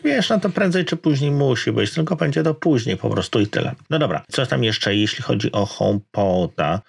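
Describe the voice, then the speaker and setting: Podcast co-host, man, gravelly and a little raspy, explains at an easy conversational pace. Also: medium pitch, animated, normal speed. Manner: explanatory, searches for words mid-sentence. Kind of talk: casual tech chat.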